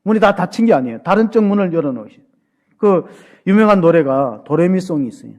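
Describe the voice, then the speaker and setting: A male pastor preaching in a church sanctuary, with a voice that sits high for a man. He keeps the tone chatty and funny and turns to the congregation with questions. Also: animated, quick pace, a little mellow. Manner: conversational and humorous, questions the congregation. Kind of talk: sermon.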